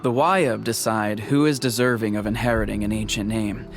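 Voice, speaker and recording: An actor playing a calm, dignified, protective tribal chief in a video game, speaking in a measured, formal way. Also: male voice, on the low side, soft background music, natural voice. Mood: solemn, explanatory.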